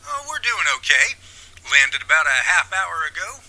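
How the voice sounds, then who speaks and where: A man's voice: a little high, very animated, normal speed, bright, forceful tone, heavily acted, poor audio. A man playing an easygoing young Bigfoot researcher from California in an amateur radio drama, with a folksy, wry manner. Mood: wry, weary.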